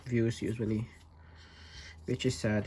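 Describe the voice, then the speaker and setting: The pace is moderate. A non-native accent comes through. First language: not English. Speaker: toy reviewer YouTuber. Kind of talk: casual build commentary. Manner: hesitant, with fillers.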